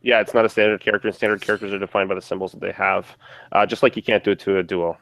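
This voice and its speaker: A man hosting a casual podcast chat about a tabletop game, relaxed and rambling, with many fillers and restarts. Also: on the low side, racing, gravelly, dry recording. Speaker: podcast host.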